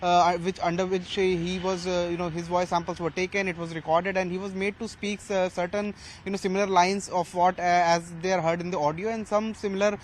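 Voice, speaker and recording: A man gives a live field report in Indian English. His voice is notably high for a man, and he speaks haltingly, repeating phrases. Faint outdoor city noise sits behind him. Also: flat delivery. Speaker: news reporter.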